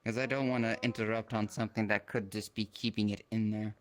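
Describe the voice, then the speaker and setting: A man playing a cautious, watchful leader of a fantasy party in improvised roleplay, with a measured, directive manner. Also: fairly low pitch, flat delivery, lightly acted. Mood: watchful, guiding. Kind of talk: improvised virtual reality roleplay.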